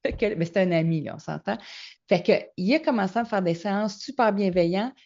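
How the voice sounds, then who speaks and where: A woman's voice: medium pitch, a little fast. A middle-aged woman with a Québécois French accent, a guest telling her story in a casual interview and acting out the voices she quotes. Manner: animated storyteller, acts out quoted dialogue. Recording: slightly muffled lo-fi audio.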